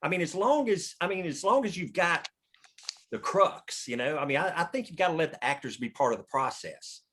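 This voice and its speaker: A man's voice: a little high, big pitch swings, brisk, fairly bright tone, slightly rough. Emphatic man talking shop casually. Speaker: screenwriter leading a script table read. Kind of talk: casual discussion.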